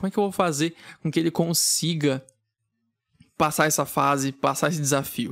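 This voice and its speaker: A man in a normal speaking voice, fairly high pitch and a fairly quick pace, on a very clean recording with a silent background. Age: 20s. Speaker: game developer and podcast host. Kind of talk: solo podcast monologue.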